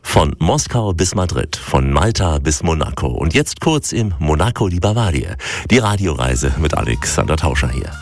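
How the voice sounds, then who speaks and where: A deep, low-pitched male radio host guides his travel program with calm, measured questions. Between interviews he slips into smoothly scripted narration, and faint music sits underneath. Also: no echo.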